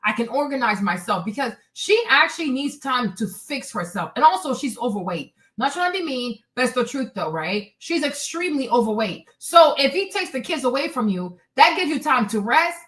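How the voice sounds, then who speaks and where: A woman's voice: high voice, big pitch swings, normal speed, hardly any pauses, fairly bright tone. A woman vlogger reacting to a clip in casual commentary, blunt and sassy, talking straight to her viewers.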